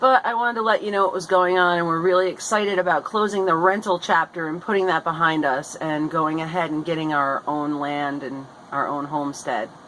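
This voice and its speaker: Delivery comes at a fairly quick pace with hardly any pauses and ordinary pitch variation. There is noticeable background noise. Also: woman, fairly low pitch for a woman. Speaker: homesteader and vlogger. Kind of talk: casual vlog talk to camera. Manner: halting, stuttering.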